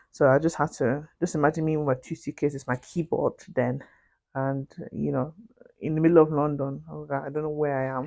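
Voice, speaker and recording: This woman's voice is very deep and low in pitch, with a dark, mellow tone. She speaks at a fairly quick pace with monotone, flat intonation. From Germany. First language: German. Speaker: church youth leader. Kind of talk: interview conversation.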